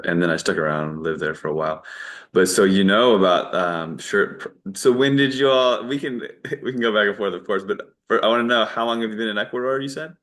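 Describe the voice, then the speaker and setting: Man, American accent, lowish voice, interview guest, casual, meandering, frequent false starts. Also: a bit bright. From Virginia, United States. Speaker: interview guest, documentary filmmaker. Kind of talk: casual chat.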